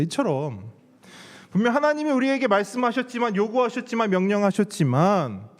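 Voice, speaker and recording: A man preaching a sermon as a pastor, putting rhetorical questions to his congregation and repeating key words for emphasis. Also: high voice. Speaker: pastor preaching at a church service. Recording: reverberant hall sound.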